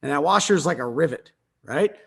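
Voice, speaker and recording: A man's voice: a little high, lively intonation, brisk, gravelly, background noise. A man leading a sales training session, quizzing his listeners and tagging points with "right?". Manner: quizzing the room with frequent "right?".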